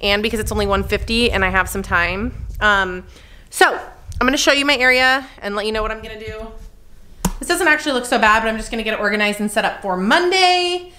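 Young woman, teacher vlogger, tired and pregnant, chatty and frank, bright voice. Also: on the high side, fairly quick, smooth. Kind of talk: casual vlog chat. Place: classroom.

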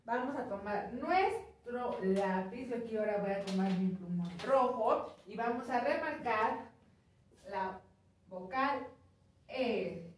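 Teacher, very echoey room. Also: female voice, a little high, animated, a little hiss or hum. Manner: slow, drawn-out letter drills addressed to small children. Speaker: kindergarten teacher. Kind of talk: online preschool lesson. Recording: very echoey room, voice far from mic.

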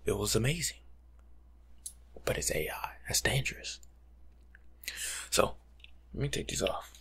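A young American man doing a casual, slangy ASMR life coach roleplay in a hushed, breathy half-whisper, close to the mic. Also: fairly low pitch, very animated, unhurried. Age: young adult. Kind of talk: ASMR roleplay monologue, softly spoken and whispered. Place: small room at home, indoors.

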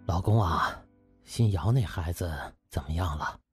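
A man voicing a weary old patriarch, low and subdued. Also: measured pace, faint music behind. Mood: somber, weary. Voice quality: world-weary. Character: weary, weathered old husband, stern patriarch.

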